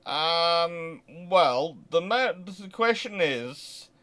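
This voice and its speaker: A man's voice: a little high, expressive, pushed and bright. A man hosting a live question-and-answer talk on history, speaking off the cuff with frequent restarts and emphatic stresses. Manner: halting, restarts sentences, thinks aloud, emphatic stresses. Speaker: host of naval history channel.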